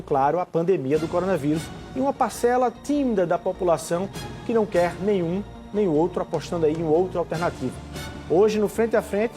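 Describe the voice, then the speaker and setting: Male TV interviewer, high voice, live political show, music behind. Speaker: TV interview host.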